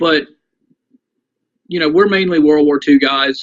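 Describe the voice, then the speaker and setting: With a Virginia accent, this man talks at a moderate pace in a fairly high pitch. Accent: Virginia Southern. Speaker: military historian. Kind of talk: casual chat.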